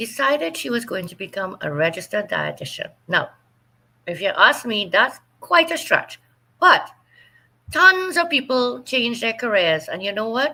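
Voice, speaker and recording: An animated woman with a Trinidadian accent, at a fairly high pitch with very wide pitch swings, big swings in loudness, a bright, sharp tone and a moderate pace. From Trinidad and Tobago. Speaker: interview host. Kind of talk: livestream interview intro.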